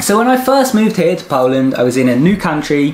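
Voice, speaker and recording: Someone with an English accent talks at a fairly quick pace over noticeable background noise. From England. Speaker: YouTuber sharing personal experience. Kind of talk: personal vlog monologue. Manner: casual, conversational with fillers.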